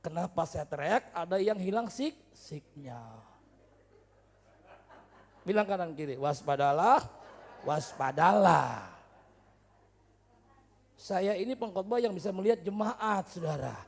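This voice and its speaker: A male pastor preaching in a church service with humor and stories, swinging from loud shouts to quiet asides. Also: high-pitched, lively intonation, moderate pace, breathy edge. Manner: humorous, storytelling, chatty slang. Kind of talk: sermon.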